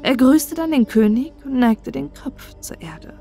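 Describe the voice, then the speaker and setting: A woman's voice: sits high, measured pace, vocal fry, mellow. Woman narrating a fairy tale over music. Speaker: audiobook narrator. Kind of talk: scripted fairy-tale narration, bedtime storybook. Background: music behind the voice.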